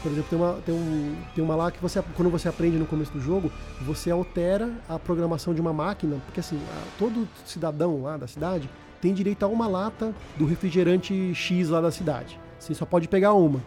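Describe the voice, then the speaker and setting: A man's voice: a little high, fast talker, hardly any pauses, darkish tone, soft background music. A man with a Brazilian Portuguese accent explaining a video game in casual, informal podcast talk, repeating words as he goes.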